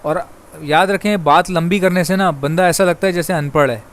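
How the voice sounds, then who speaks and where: A man from Pakistan who vlogs about breeding birds, talking quickly and chattily to his viewers and calling them brother. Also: high-pitched. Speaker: bird breeder vlogger. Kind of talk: fast casual monologue to viewers.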